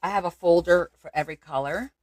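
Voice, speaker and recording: A woman's voice: lowish voice, fast talker, darkish tone. A woman from Portugal hosting a crafting livestream, thinking aloud as she works and answering viewer comments. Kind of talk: casual crafting livestream chat.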